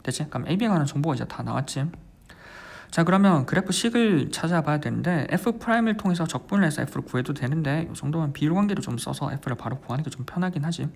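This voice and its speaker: A man working through a math exam problem step by step as a tutor, repeating his phrases and constantly asking quick check questions. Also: a little high, expressive, vocal fry. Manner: keeps asking quick check questions like "right?" and "how much?"; repeats phrases while writing. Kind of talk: exam solution walkthrough lecture.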